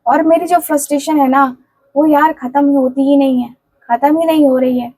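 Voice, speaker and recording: A woman with a high voice speaks as a tarot reader, relaying a love message in the first person. She talks in an earnest, pleading way, circling back over the same phrases with casual fillers. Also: fairly even intonation, normal speed, dark tone, rough recording. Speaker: tarot and candle wax reader.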